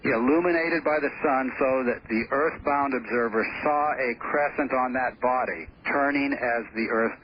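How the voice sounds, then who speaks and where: A man who is a radio guest, explaining his theory over the phone in steady, lecturing talk with "uh" pauses. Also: mid-range voice, highs cut off, a little hiss or hum.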